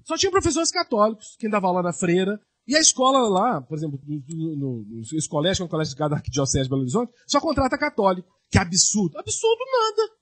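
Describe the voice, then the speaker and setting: A man's voice: high-pitched, very animated, fast talker, hardly any pauses, fairly bright tone. A man preaching a sermon as a pastor, asking his congregation rhetorical questions.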